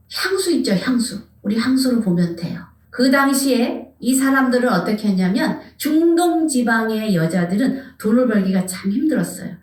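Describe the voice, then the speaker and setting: A woman pastor preaching a sermon, animated, asking her congregation questions and sometimes dropping to a whisper. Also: a little high. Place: church sanctuary. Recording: echoey church hall, mic at a distance.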